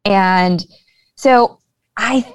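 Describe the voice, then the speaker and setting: A woman's voice: medium pitch, very slow, clear, resonant tone, no echo. A woman guest earnestly explaining her beliefs in a casual conversation, with many fillers. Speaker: guest, spiritual intuitive.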